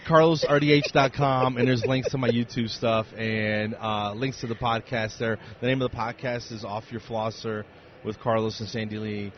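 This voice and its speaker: A man's voice: mid-range voice, flat delivery, normal speed. A man in his forties from the United States, a comedian being interviewed, chatting casually with joking, self-deprecating banter. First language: Spanish. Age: 40s. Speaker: interview guest, comedian and speaker. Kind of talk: casual chat. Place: on location at a busy convention. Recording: dull lo-fi, loud event background noise.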